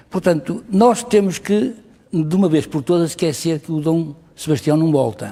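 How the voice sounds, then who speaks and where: A man's high-pitched yet dark, mellow tone, moderately paced with lively intonation. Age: 70s. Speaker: industrialist. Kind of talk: panel interview.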